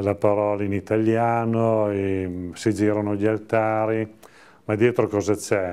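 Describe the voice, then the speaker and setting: A man's dark, mellow voice, fairly low in pitch, comes at a fairly slow pace with monotone, flat intonation. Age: 50s. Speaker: lay church worker; interviewee, speaker. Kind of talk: interview. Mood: calm, reflective. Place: studio. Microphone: lapel.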